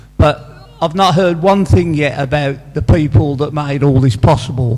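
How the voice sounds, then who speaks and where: Over noticeable background noise, a man with a Birmingham accent talks at a moderate pace in a fairly high pitch with ordinary pitch variation. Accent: Brummie. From Birmingham, Nechells. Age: 70s. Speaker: pensioner, local resident. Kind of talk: public meeting question. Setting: church hall with audience, microphone.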